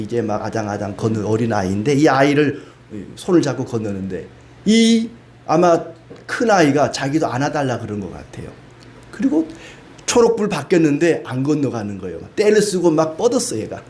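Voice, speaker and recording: A man's voice: mid-range voice, darkish tone, slight background noise. A man preaching a sermon in a conversational way, dropping frequent rhetorical asides and rising into pleading emphasis. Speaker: pastor.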